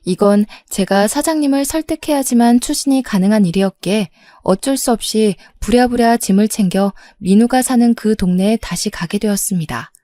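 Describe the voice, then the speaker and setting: A woman narrating a first-person story in a steady, confiding retelling. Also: a little high, no room sound.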